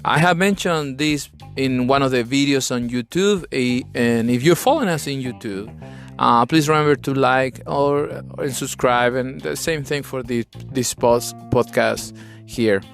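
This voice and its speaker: A man's voice: mid-range voice, measured pace, vocal fry, a bit bright, faint music behind. Chilean-accented man hosting a leadership podcast. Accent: Chilean Spanish. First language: Spanish. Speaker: podcast host. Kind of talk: conversational leadership talk.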